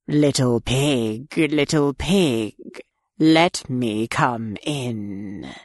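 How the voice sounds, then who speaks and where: Here is a slow, low-pitched wolf who stretches out every threat, as a woman reader puts him on. He sounds menacing and sly. The recording is close and dry. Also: darkish tone, no echo, exaggerated voice. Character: big bad male wolf, slow and menacing.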